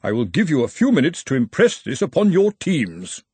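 A man's voice: a little high, very animated, normal speed, a little mellow, slightly rough, no room sound, pitched above the performer's own voice. A man voicing a stern, exasperated referee in an audiobook, speaking formally and pompously.

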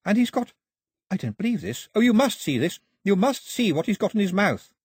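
Guy doing curious girl explorer in an audiobook, way high pitch, eager and amazed, very lively. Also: moderate pace, husky, no room sound, clean studio sound. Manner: eager, exclamatory.

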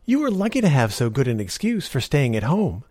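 A man's voice: medium pitch, big pitch swings, a little fast, darkish tone, no echo, studio quality, pitched above the performer's own voice. A man voicing a sly old beggar woman who taunts and needles a knight in a storybook reading. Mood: taunting.

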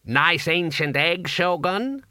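A man's voice: on the high side, expressive, slow pace, sharp tone, no room sound, clean studio sound, voice pushed up, full character voice. A man voicing a cheerful, pushy street vendor with glib haggling patter, in an audiobook story. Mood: shrewd, wary.

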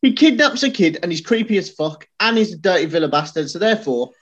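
Lively high-voiced man, dull sound. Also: fast. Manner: animated, defends his opinions. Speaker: podcast co-host. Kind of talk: casual banter.

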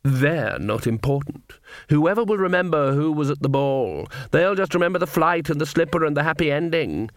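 A man's voice: fairly high pitch, expressive, normal speed, dry recording, clean studio sound, pitched above the performer's own voice, lightly acted. A man voicing a cold, imperious older witch woman in an audiobook, haughty and scornful. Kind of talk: audiobook character acting.

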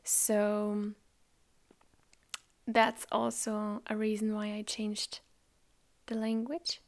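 A woman whose first language is German hosts a spiritual podcast, talking in a soft, slow, reflective way that often drops close to a whisper. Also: medium pitch, monotone. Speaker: podcast host. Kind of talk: calm spiritual podcast monologue.

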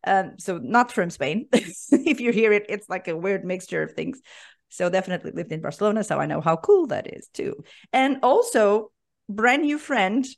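A woman's voice: medium pitch, lively intonation, normal speed, vocal fry. A woman hosting a casual podcast, chatty and laughing often as she introduces her guests. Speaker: podcast host.

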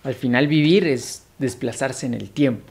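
Reflective podcast host. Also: male voice, mid-range voice, normal speed, vocal fry, a little mellow, slightly rough. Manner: musing, philosophical, slips into acted quotes. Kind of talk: casual reflective chat.

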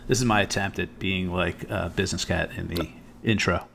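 Male podcast co-host, lowish voice, loose storytelling, peppered with "right?" and "you know". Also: fairly even intonation, normal speed, creaky, a bit bright, a little hiss or hum. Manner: rambling storyteller, swears, frequent "right?" asides. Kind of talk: casual podcast chat.

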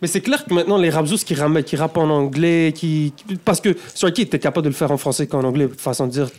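Male interviewer, slightly high voice, agreeable and easy. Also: quick pace, darkish tone. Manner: easygoing, agreeable, short affirmations. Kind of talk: casual interview chat.

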